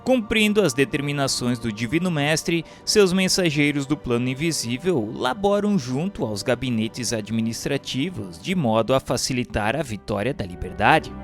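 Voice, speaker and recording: Male narrator, medium register, formal and measured scripted read over a light music bed. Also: mid-range voice, animated. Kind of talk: scripted audiobook-style narration of a spiritual history text. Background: instrumental music.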